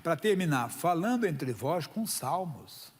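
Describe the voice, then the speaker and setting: A man's voice: a little high, very animated, measured pace, in a large hall, a little hiss or hum. A man with a Brazilian Portuguese accent preaching a sermon at a church service, emphatic and folksy, often calling listeners brother. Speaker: pastor.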